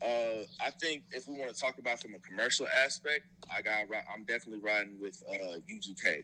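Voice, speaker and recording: Over noticeable background noise, a man with an American accent talks at a fairly quick pace. His medium-pitched voice has lively intonation. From Houston, Texas. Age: 20s. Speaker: rap historian and archivist. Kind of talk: casual chat.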